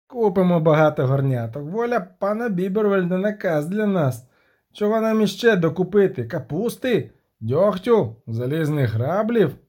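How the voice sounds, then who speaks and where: A man's voice: sits high, animated, normal speed, darkish tone. A man voicing a sly male halfling merchant with a mocking, sarcastic edge.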